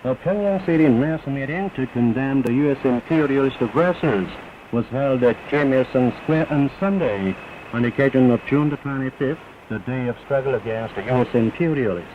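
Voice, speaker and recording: A man reading formal scripted propaganda news as a radio announcer, in a solemn, deliberate, declamatory manner. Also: mid-range voice, animated. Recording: dull hissy shortwave radio broadcast, heavy noise.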